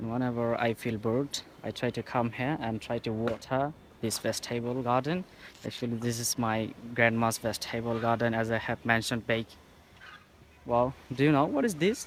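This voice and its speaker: With a Bengali accent, a man talks at a moderate pace, his medium pitch following a fairly even intonation. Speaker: English teacher. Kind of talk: tutorial. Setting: outdoors. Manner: halting, many filler sounds.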